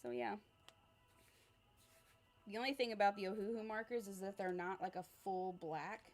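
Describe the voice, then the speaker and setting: A young woman at an average pitch talks casually to her livestream viewers while she draws. She rambles in a relaxed way, uses many fillers and laughs lightly, and keeps answering questions from her audience. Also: moderate pace, soft background music. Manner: chatty, rambling, reads viewer comments aloud. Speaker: art livestreamer.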